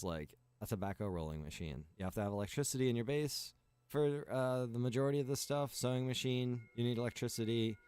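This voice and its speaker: A man's voice: medium pitch, a little mellow, clean tone, dry recording. A man who runs and develops a game server, chatting casually on a livestream, rambling with lots of fillers and listing features one by one.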